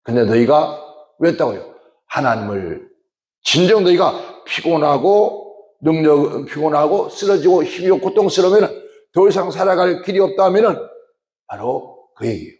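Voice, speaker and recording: A man's voice: a little high, lively intonation, moderate pace, darkish tone. A man preaching a Sunday sermon as pastor. He talks emphatically, repeating phrases and asking rhetorical questions. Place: church sanctuary. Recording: roomy church echo.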